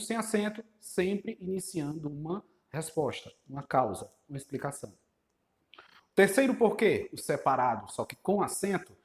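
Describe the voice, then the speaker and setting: A man's voice: fairly high pitch, echoey room. A man with a Brazilian Portuguese accent teaching a grammar lesson, emphatic and asking rhetorical questions as he reads out example sentences.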